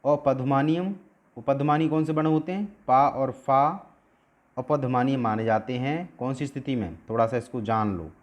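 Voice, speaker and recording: In a mid-range voice, a male teacher explains a lesson at a board. He answers his own questions and slowly sounds out each letter as a demonstration.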